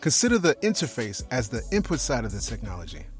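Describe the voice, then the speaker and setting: A man hosting a podcast and interviewing a guest in a calm, thoughtful way. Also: medium pitch, fast, faint music behind. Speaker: podcast host.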